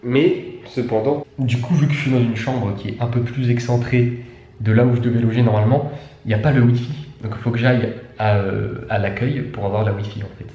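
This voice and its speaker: A man's voice: mid-range voice, fairly even intonation, brisk, mellow, slightly rough, highs cut off. A young man chatting casually and informally to a travel vlog audience in offhand, slangy speech. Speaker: travel vlogger.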